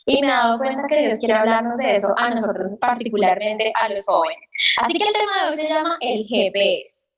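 A young woman with a Colombian accent co-hosting a Christian youth program, chatty and light, laughing softly between points. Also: on the high side, lively intonation, fast talker. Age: young adult. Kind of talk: friendly devotional talk. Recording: roomy, distant from the mic.

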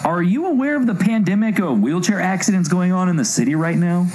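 An actor playing an earnest, blunt amateur investigator in a comedic audio drama, asking questions matter-of-factly. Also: male voice, high-pitched, expressive, brisk, darkish tone, slight background noise. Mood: earnest, probing.

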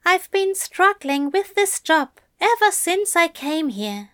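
A woman's voice: very high voice, very animated, slow pace, a bit bright, voice pushed up, heavily acted. A woman voicing an anxious, earnest male angel who pours out fretful confessions in a raised voice.

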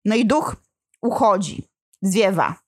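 A woman's voice: medium pitch, expressive, slow pace, dry recording, studio quality. A woman in a casual lesson, explaining and reading scenes from a drama, with small slips and restarts. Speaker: literature teacher.

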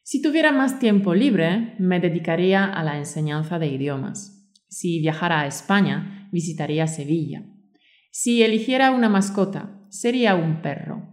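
A woman's voice: on the low side, lively intonation, moderate pace, a little mellow, roomy sound. A woman hosting a language-learning podcast, speaking to listeners in an encouraging, motivational way and reading aloud. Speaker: podcast host and Spanish teacher.

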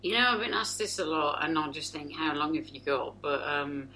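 Low-voiced Black Country woman, chatty. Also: moderate pace, bright, forceful tone, poor audio. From England. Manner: jokey and chatty. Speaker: musician guest. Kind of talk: casual chat.

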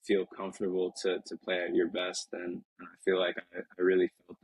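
A man in his twenties, a professional soccer player, talking reflectively in an interview with many halting restarts. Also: low voice, completely flat delivery, rough recording. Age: 20s. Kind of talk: casual interview talk. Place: Lisbon.

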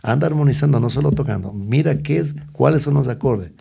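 A man's voice: mid-range voice, brisk, creaky, dark tone, breathy edge. A middle-aged man, telling stories as an interview guest, rambling with many restarts. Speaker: guest musician. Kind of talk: storytelling interview.

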